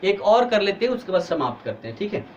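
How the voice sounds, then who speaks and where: A man's voice: sits high, big pitch swings, quick pace, darkish tone. Man, teacher, online lecture, tired, headache, questions students, faint background noise. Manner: explains step by step, asks students questions. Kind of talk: online exam-prep history lecture.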